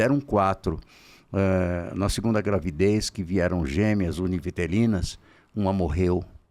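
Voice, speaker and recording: A man speaks at a fairly slow pace in a very deep, low voice with ordinary pitch variation. The recording is very clean, with a silent background. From Brazil, Mato Grosso do Sul (Campo Grande). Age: 70s. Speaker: radio broadcaster. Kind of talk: interview.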